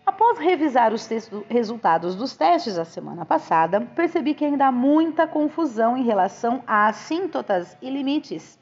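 A woman's voice: fairly high pitch, sing-song, moderate pace, few pauses, a little mellow, husky, lo-fi sound, pitched above the performer's own voice, full character voice. A woman voicing a charming male maths teacher in his twenties for an audiobook, with a playful manner. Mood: matter-of-fact.

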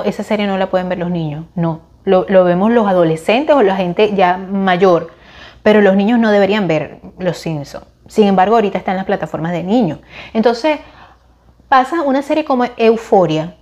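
A woman in her forties with a Venezuelan accent talks casually to the camera and shares her opinions. Her voice sits in a middle pitch range. She speaks in a chatty, expressive way, often restarting her sentences. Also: muffled recording. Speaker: vlogger recommending series and films.

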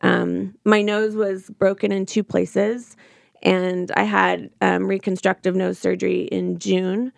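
A woman telling a personal account as an interview guest, speaking informally and haltingly, often restarting her sentences. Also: medium pitch, little pitch movement, gravelly, no echo, studio quality.

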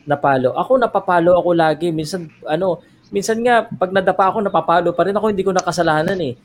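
A man's voice: high voice, quick pace, slight background noise. A man hosting a casual talk show, joking and inviting the audience to comment. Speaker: podcast host. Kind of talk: casual chat.

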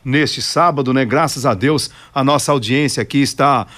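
A man's voice: medium pitch, normal speed, fairly bright tone. A Brazilian man hosting live radio talk and reading out listener messages. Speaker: radio host.

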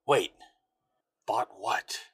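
A man playing a down-on-his-luck, stubborn private eye in a noir audio drama, gruff, intense and husky. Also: very slow. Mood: bewildered. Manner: gruff, intense, hard-boiled.

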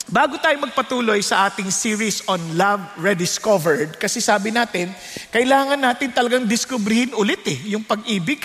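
High-voiced, bright pastor in a hall. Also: male voice. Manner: animated, engaging the congregation. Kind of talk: bilingual sermon with storytelling. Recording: long church-hall reverb.

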